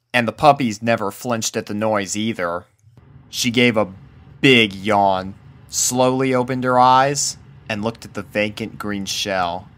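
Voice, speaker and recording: A man's voice: lowish voice, a bit bright. A man reading a scripted story aloud as the narrator of fan fiction.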